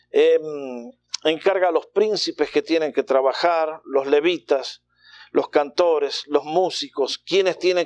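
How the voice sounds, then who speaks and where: Very slow speech comes through with a dry, close sound and no echo. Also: man. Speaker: Bible teacher. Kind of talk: Bible lecture to a live audience.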